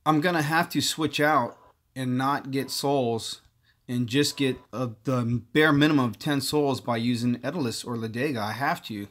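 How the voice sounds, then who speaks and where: A man's voice: medium pitch, normal speed, a bit bright. A man hosting a gaming livestream, chatting casually and thinking aloud, with many filler words. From partly Korean heritage. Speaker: livestream host.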